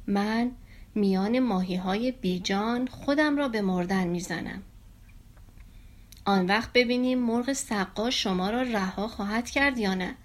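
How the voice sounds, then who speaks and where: A woman's voice: mid-range voice, lightly acted. A woman voicing a brave, defiant little black fish in a storybook reading. The fish speaks firmly and scolds the others. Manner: firm, scolding.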